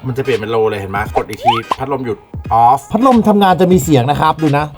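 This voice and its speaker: A man reviewing a gadget in a casual unboxing vlog, excitable and jokey, cursing freely as he goes. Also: mid-range voice, quick pace, music in the background. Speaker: tech reviewer.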